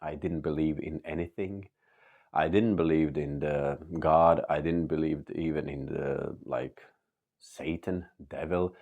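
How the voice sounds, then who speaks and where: A man from Latvia sharing a personal faith testimony in earnest, halting English with many pauses. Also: rumbling low, a little mellow, lo-fi sound. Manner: earnest and open. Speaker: church member giving testimony.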